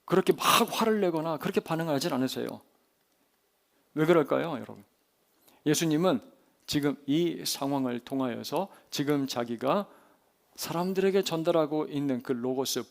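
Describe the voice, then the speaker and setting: A man, a pastor, preaching a sermon in a church service, telling the story vividly, asking the congregation questions and swinging between loud and quiet. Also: on the high side, expressive, normal speed, gravelly. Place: church sanctuary during a service.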